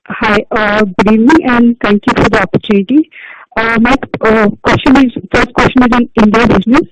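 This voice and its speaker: A woman's voice: a little high, steady tone, a little fast, heavy background noise. Woman on a glitchy, breaking-up phone call. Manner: hesitant, many fillers. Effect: glitchy, breaking-up phone audio. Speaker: analyst caller. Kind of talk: conference call question. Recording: distant, breaking-up phone line.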